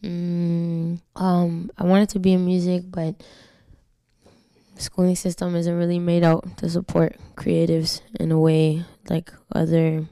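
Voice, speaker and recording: Guesting on a casual interview, a young singer from Canada who grew up speaking Spanish tells her story slowly, slangy and swearing without restraint. Her delivery is flat and even, her voice low and mellow with a gravelly fry, captured close and dry with no room sound.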